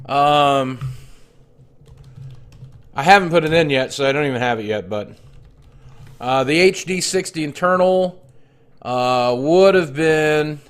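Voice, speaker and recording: Halting man chatting on a stream. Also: on the high side, clean tone. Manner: reads chat and tallies costs aloud, halting with fillers. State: chewing cough drops, clearing throat. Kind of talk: casual live-stream chat.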